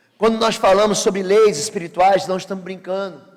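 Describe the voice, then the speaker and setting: A man with a Rio de Janeiro accent and an animated tone. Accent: Rio de Janeiro (carioca). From Rio de Janeiro, Brazil. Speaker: pastor. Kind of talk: sermon.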